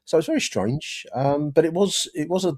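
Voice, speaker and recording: Wry Englishman with a mellow voice. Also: a little high, expressive, normal speed, slightly rough. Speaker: football podcast host. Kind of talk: casual football chat.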